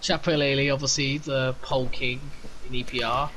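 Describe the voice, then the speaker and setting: A man's voice: mid-range voice, little pitch movement, normal speed, pushed and bright, poor audio. Man, podcast host, casual chat, teasing, laughs a lot, faint background hiss. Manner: chatty, teasing, laughs often.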